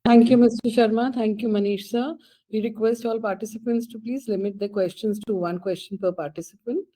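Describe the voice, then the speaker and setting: A woman's voice: a little high, fairly even intonation, brisk, warm tone, low-quality recording. A woman moderating a conference call in a polite, formal way.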